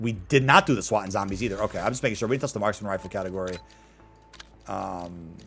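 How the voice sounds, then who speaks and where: Music plays in the background. A man talks at a very fast pace with a fairly low pitch. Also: ordinary pitch variation. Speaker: gaming streamer. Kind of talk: live stream commentary.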